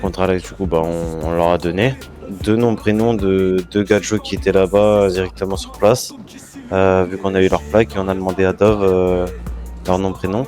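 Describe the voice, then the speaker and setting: A man with a lowish voice explains things in a game roleplay. He rambles and hesitates, using slang, while music plays faintly behind him. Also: flat delivery, moderate pace, darkish tone. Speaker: online roleplay player. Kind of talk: improvised spoken report in game roleplay.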